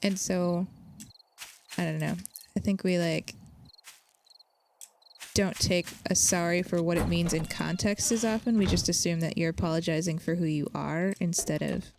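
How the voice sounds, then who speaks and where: A woman's voice: lowish voice, fairly even intonation, moderate pace, long pauses, a little mellow, slight background noise. A woman streamer chatting casually, upbeat and talkative, with lots of fillers. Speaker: streamer reading chat.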